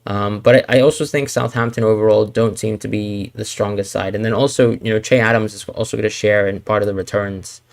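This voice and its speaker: A man's voice: fairly low pitch, steady tone, fairly quick, vocal fry, hardly any pauses. A man from Hong Kong hosting a live Q&A stream, thinking aloud and hedging, with frequent fillers and restarts. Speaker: fantasy football streamer. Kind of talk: live Q&A stream answering chat.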